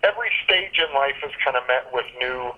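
A man in his thirties from Washington State, answering interview questions over a phone call in an articulate, measured way. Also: mid-range voice, animated. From Washington State, USA. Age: 30s. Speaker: guest poet.

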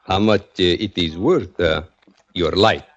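Deep-voiced Mexican knife killer, matter-of-fact and menacing, lo-fi radio sound. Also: male voice, unhurried. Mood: calm menace. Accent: Mexican Spanish. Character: grinning Mexican hired knife killer, calm. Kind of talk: 1940s radio drama acting. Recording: dull lo-fi old radio recording.

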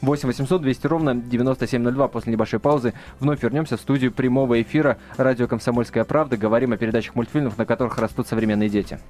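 A man hosting a live radio talk show in a studio, reading out facts and phone numbers in a brisk announcer manner. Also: medium pitch, fairly even intonation, a little mellow, faint music behind.

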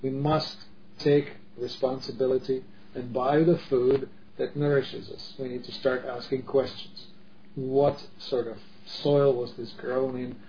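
A man's voice: mid-range voice, level tone, unhurried. Middle-aged man from the Czech Republic, earnest co-host, emphatic with restarts; dull recording with faint hiss. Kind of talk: casual discussion. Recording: dull lo-fi audio with faint noise.

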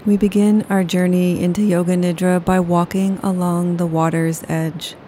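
A woman leading a guided yoga nidra meditation, speaking slowly and soothingly. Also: on the low side, level tone, mellow, slight background noise. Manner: slow, soothing, unhurried.

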